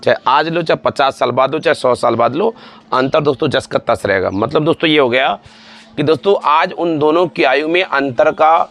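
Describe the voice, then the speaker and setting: A man's voice: on the high side, moderate pace, creaky, a bit bright. Guy in his 40s walking students thru math problems, repeats stuff a lot, calls them friends. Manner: repetitive, calls students friends and dear ones. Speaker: math teacher. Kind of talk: exam-prep math lesson.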